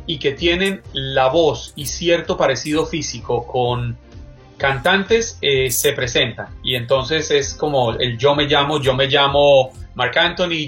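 A man's voice: fairly high pitch, a bit bright. A man co-hosting a morning show, explaining a topic to his co-host.

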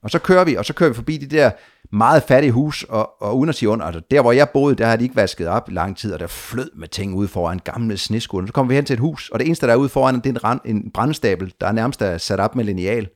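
A man telling a long story of his trip in a casual conversation, lively, with frequent restarts and repeated words. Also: medium pitch.

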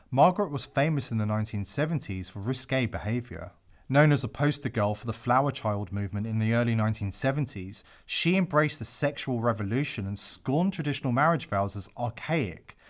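Man narrating with a lively, swinging pitch. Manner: dramatic, with sarcastic asides. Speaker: podcast host. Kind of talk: scripted commentary narration.

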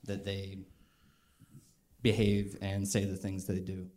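A man in the audience asking the speaker a pointed question in a steady, measured way. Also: low voice, a little hiss or hum.

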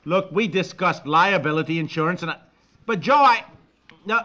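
Aktor grający poirytowanego, sarkastycznego męża i ojca w komediowym słuchowisku radiowym z lat 50., wybuchowy i skłonny do pokrzykiwania. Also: male voice, high voice, normal speed, bright, forceful tone. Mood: blustering. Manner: blustery, sarcastic, suddenly barking. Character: exasperated, sarcastic husband and father, easily riled. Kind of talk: 1950s radio comedy acting. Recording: noisy 1950s radio recording with clicks.

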